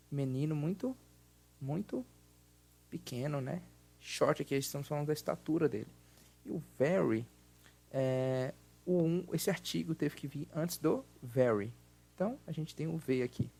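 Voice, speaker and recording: A Brazilian man with a Portuguese accent who teaches an English grammar lesson. He explains patiently and repeats words slowly to model their pronunciation. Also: a little high, vocal fry, a little mellow.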